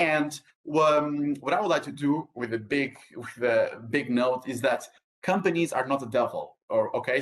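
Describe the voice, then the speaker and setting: A man's normal speaking voice at a moderate pace, with fairly even intonation. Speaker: lawyer presenting at a webinar. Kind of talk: webinar presentation. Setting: online webinar.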